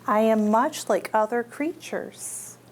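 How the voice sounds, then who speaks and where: High voiced lady doing kids storytime, talks to little ones and asks them stuff, some noise in the recording. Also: slow. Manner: simple child-directed talk with frequent questions to listeners. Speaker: children's librarian and storytime host. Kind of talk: children's read-aloud storytime.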